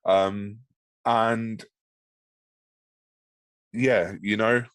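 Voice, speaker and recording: A man's voice: on the low side, steady tone, very slow, clean tone, dry recording. A man speaking as a podcast guest in a casual, informal, thoughtful conversational style.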